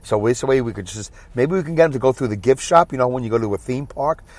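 A man's voice: mid-range voice, animated, fast, darkish tone, dry recording. A stuffy-nosed man hosting his own podcast, chatting casually and self-deprecatingly while driving in traffic. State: congested, stuffy nose. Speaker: podcast host. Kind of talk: solo rambling podcast monologue.

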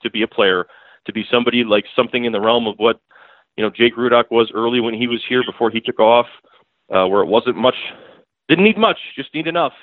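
A man's voice: medium pitch, fairly quick, dry recording. A man speaks bluntly and keeps hammering his point, his voice thin and boxed in as if over a phone line. The sound is dry and close, with no room around it. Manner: emphatic, blunt, repeats points. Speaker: newspaper beat writer, guest. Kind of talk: casual podcast interview.

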